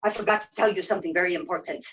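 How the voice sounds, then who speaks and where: A woman's voice: lowish voice, rapid-fire, a bit bright, close to an everyday voice. A woman voicing a blunt, cheeky creature sidekick in a puppet show, insistent in manner. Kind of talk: puppet show character acting. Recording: dull, lo-fi sound.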